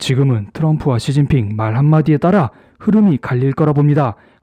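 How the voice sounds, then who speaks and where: In a dry, close recording with no echo, a man speaks at a medium pitch and a fairly quick pace, his tone dark, mellow and somewhat breathy, with ordinary pitch variation. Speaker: finance YouTuber. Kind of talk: market commentary. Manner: fast.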